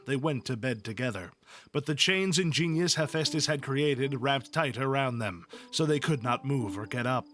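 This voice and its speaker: A man's voice: mid-range voice, a bit bright. A man reading epic poetry aloud as a storyteller, in an informal read-along style. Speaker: story reader.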